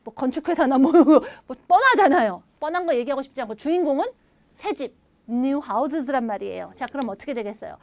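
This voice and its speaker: Bright lively woman teaching English grammar. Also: sits high, a little fast, no room sound. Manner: lively, animated, leads repeat-after-me drills; acts out little dialogue lines in playful voices. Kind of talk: recorded video lecture.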